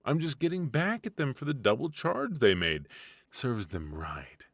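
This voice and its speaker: A man playing a smug, fussy retired supervillain husband in an intimate comedic ASMR roleplay, with a husky, mock-sinister delivery. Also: mid-range voice, big pitch swings, unhurried, fairly bright tone, no echo, studio quality, exaggerated voice. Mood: gleeful scheming.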